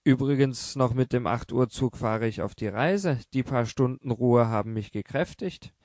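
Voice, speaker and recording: A man voicing an anxious young salesman who rushes out pleading, flustered excuses. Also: medium pitch, darkish tone, no echo, clean studio sound, natural voice.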